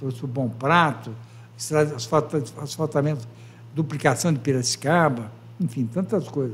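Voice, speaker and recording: At a moderate pace and with ordinary pitch variation, a man with a medium-pitched, somewhat breathy voice speaks with long, frequent pauses. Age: 70s. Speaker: former mayor. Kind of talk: casual interview.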